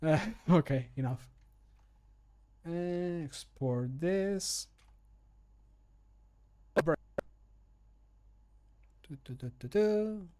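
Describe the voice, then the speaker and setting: A man's voice: fairly high pitch, very slow, pauses often, warm tone, clear, resonant tone. A man in his thirties chatting casually and jokily on a livestream while he works, close to the microphone, sometimes muttering to himself and swearing. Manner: jokey, muttering to himself, profane. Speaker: streamer and game modder. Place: home desk setup indoors. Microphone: close desk microphone.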